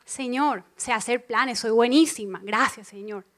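Woman preaching at church, high bright voice, keeps repeating lines for emphasis, acts out little voices. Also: unhurried. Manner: emphatic, repeats key phrases; expressive, acts out inner voices. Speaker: church speaker. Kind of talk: evening church sermon. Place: church congregation.

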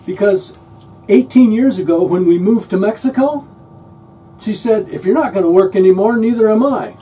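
A man's voice: sits high, normal speed, warm tone, slightly rough, poor audio. An older man in his sixties hosting a casual cooking demo in a motor home kitchen, chatty and joking as he shows off a cooktop. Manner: joking, chatty, reads out a manual. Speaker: channel host. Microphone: camera mic from across the room.

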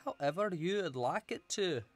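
A man's voice: high voice, animated, unhurried, husky, soft background music. A young man teaching crochet on a home live stream, chatty and playful, reading chat messages aloud and laughing as he works. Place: small room at home, indoors.

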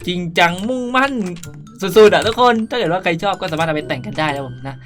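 A man's voice: high voice, lively intonation, quick pace, a bit bright. A man hosting a casual game tutorial, chatting politely and often addressing his viewers. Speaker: video creator and host. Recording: music behind the voice. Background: music.

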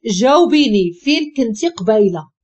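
A woman's voice: a little high, expressive, a little fast. A woman voicing a harsh angry husband. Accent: Moroccan. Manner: curt, shouting commands. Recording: dull lo-fi recording.

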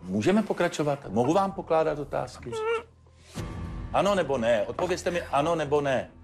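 An actor playing a stern, formal judge who admonishes the parties with frequent hesitant fillers. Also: male voice, a little high, lively intonation, soft background music. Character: stern measured male judge, controlled. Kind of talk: courtroom TV show acting.

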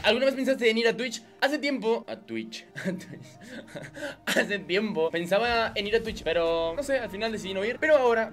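A man in his twenties with a Mexican Spanish accent, chatting casually to camera as a YouTuber, answering viewer questions in relaxed slang, rising high to read them and sinking low to answer. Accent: Mexican Spanish, with a mixed lilt. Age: 20s. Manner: relaxed slangy chat, swings high and loud reading questions, drops low and soft answering. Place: small home studio room, indoors. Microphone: studio condenser mic on boom arm.

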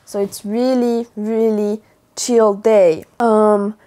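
A young woman from France speaking English with a French accent, chatting casually in her vlog with a hoarse morning voice. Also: mid-range voice, little pitch movement, slow pace, mellow. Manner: chatty, upbeat, loose non-native phrasing. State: hoarse from just waking up. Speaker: athlete vlogger.

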